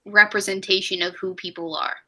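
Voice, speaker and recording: A woman's voice: medium pitch, steady tone, a little fast, sharp tone. A woman in her twenties hosting a casual live stream, rambling and laughing at herself. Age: 20s. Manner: giggly, rambling, self-mocking. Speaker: stream host.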